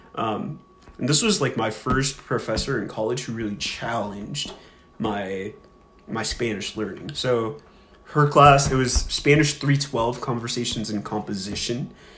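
With ordinary pitch variation and medium pitch, a man talks in a plain, everyday voice. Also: fairly slow pace. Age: 20s. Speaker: language podcast host and Spanish tutor. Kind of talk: casual chat.

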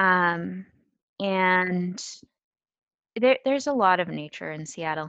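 A bright, sharp tone in an American accent, very slow and lively in intonation, with big swings in loudness, long, frequent pauses and a quiet background. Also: woman, medium pitch for a woman. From Los Angeles, US. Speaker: herbalist and psychic. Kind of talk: casual interview chat. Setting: podcast interview.

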